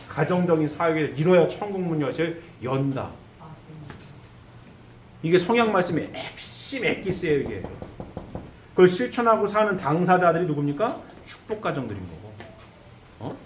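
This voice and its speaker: A man preaching a sermon in a church, asking his listeners rhetorical questions. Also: sits high. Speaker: pastor. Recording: echoey room, faint background noise.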